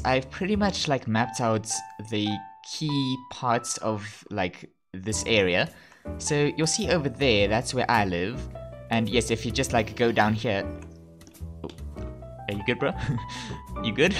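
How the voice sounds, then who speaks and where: Give me a man with a lowish voice who giggles and stumbles through casual gameplay commentary. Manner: giggly, stumbling, self-deprecating. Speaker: gaming channel host.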